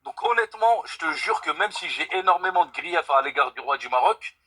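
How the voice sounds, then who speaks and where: Earnest husky-voiced man calling in. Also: a little high, expressive, brisk, bright, forceful tone. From France. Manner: earnest and emphatic, swears by God, repeats himself. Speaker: caller on a live stream. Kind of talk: casual debate call.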